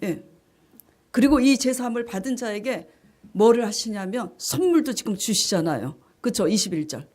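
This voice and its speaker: This is a woman pastor in the middle of a sermon, with a voice that sits a little high. She keeps turning to her listeners with questions. She drops to a quieter, slower voice when she reads the scripture passages. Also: lively intonation. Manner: asks the congregation questions and answers them; rises in pitch and volume on key phrases. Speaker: senior pastor.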